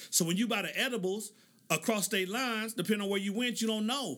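A man with an American accent speaks in a raised, projected voice. His tone is bright and sharp. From Oklahoma. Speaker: podcast host, hip-hop commentator. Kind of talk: casual monologue. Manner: animated, laughing often.

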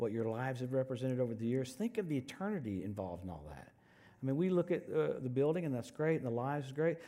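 A man with a Southern US accent talks at a very fast pace and medium pitch, his pitch swinging very widely. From US South, northern Louisiana. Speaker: guest preacher. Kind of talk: sermon. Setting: church with congregation. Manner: animated.

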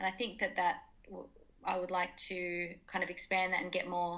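Speaking at a fairly low pitch, a woman talks with an Australian accent. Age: 30s. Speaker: magazine co-founder and musician. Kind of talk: casual interview chat. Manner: hesitant, many fillers.

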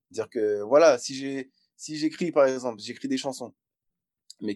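A man of medium pitch at a fairly quick pace, with a dry, close sound with no echo and a quiet background. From Guadeloupe (Saint-Claude). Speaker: zouk singer-songwriter. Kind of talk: interview. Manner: hesitant, many fillers.

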